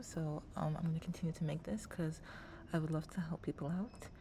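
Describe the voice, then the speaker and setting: A woman speaks quietly at a fairly low pitch, in a dark, mellow tone. Her voice is somewhat breathy, and her pace is fairly quick. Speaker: university student vlogger. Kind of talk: casual vlog talk. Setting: library. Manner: quiet, lowered voice; hesitant, many fillers.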